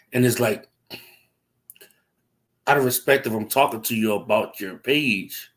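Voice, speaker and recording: A young adult man with a stuffy, congested voice, hosting a casual livestream chat and rambling with lots of fillers and restarts. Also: lowish voice. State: congested from a cold. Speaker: livestream host.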